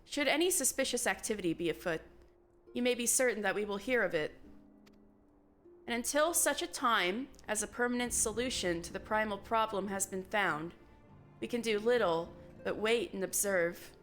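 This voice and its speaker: A woman reading the part of a calm, formal woman leader, in a measured, formal manner. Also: mid-range voice, soft background music, close to an everyday voice. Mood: grave counsel.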